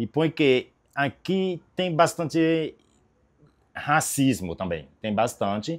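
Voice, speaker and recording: Speaking very slowly with long, frequent pauses, a man with a Haitian Creole accent uses a fairly high pitch and lively intonation. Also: very clean recording, silent background. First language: Haitian Creole (speaking Portuguese). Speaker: immigrant activist and researcher. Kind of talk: interview.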